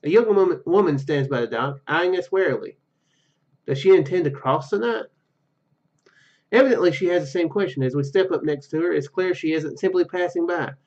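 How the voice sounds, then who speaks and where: Casting: male gaming host, fairly high voice, reads story text with casual asides, slightly dull recording. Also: a little fast, darkish tone. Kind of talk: reading game narration aloud with casual commentary.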